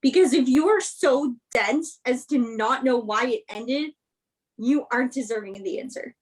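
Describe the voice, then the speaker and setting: A woman's voice: sits high, moderate pace, breathy edge, low-quality recording. A woman acting a bitter, guarded young woman, confrontational and sarcastic, in a staged play reading. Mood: angry, defensive.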